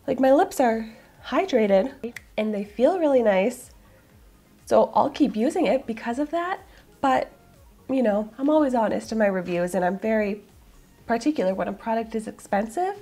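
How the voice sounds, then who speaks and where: A hoarse woman in her thirties, getting over a cold, chats to camera about makeup in a bubbly, candid way. Her voice sits a little high, and soft music plays faintly underneath. She sounds close to the camera in a small room. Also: animated, normal speed. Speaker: beauty vlogger. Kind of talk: casual product review to camera. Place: small room in front of a floral backdrop.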